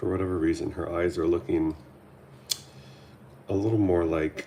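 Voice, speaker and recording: A man speaks at a moderate pace in a very deep, low pitch with monotone, flat intonation. Noticeable background noise runs beneath him. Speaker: artist drawing live for viewers. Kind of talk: live drawing stream chat. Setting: live stream at home. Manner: casual, halting with fillers.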